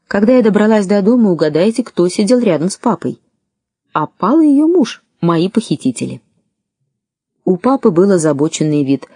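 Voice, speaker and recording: Mellow-voiced woman narrating wryly. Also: mid-range voice, very animated, normal speed, breathy edge, no echo, studio quality. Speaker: audiobook narrator. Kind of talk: scripted first-person narration.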